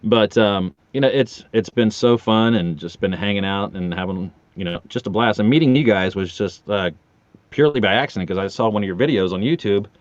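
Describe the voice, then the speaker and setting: Man with a low, roomy voice. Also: brisk, dull audio. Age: 40s. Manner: jokey, rambling, swears casually. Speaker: podcast guest, voice actor. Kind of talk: casual anecdotal chat.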